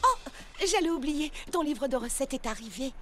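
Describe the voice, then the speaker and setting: High-voiced, friendly cartoon girl. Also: animated, moderate pace. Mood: friendly, helpful. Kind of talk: French-language children's cartoon dubbing. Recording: loud music under the voice.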